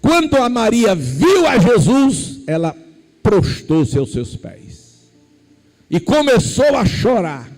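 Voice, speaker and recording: A male pastor delivers a sermon, his fairly high voice leaping widely between hushed asides and shouted lines. He unhurriedly tells the story, letting each phrase land. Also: slow, soft background music, poor audio. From Brazil. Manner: animated storytelling preaching, swinging from quiet asides to shouted emphasis.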